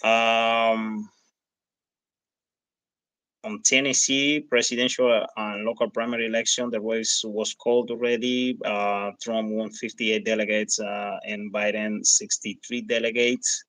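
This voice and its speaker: Halting, bright-voiced man with a Hispanic accent. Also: fairly low pitch, flat delivery, no room sound, poor audio. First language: Spanish. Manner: halting, searching for words. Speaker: livestream host. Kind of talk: live election results commentary to viewers.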